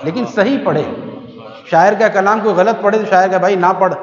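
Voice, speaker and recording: A man from Pakistan preaching a sermon to worshippers in a mosque, conversational with rhetorical questions, sometimes reciting verses in a slow melodic chant. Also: high-pitched. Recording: echoey hall, muffled sound.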